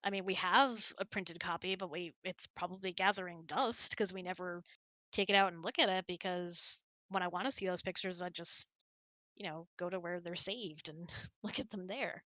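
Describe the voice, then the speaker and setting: A woman's voice: fairly low pitch, steady tone, normal speed, sharp tone, no echo. A woman hosting a casual online hangout, chatty and self-deprecating, thinking aloud as she answers audience questions. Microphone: close mic on an online voice chat.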